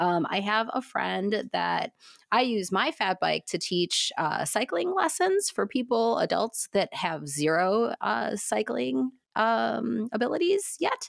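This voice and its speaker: A woman with an American accent at a very slow pace, her loudness very even, in a dry, close sound with no echo. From Naperville, Illinois. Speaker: nonprofit finance officer. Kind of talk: casual interview.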